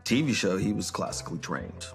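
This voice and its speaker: A man's voice: sits low, very animated, brisk, vocal fry, soft background music, full character voice. A man playing a self-important vocal coach giving a mock-documentary interview. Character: self-important male vocal coach recalling his work.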